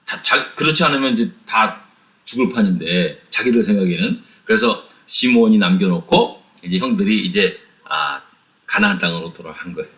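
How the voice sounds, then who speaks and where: A man teaching a lively Bible study, retelling the story with many rhetorical questions and addressing his listeners directly. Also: lowish voice, normal speed.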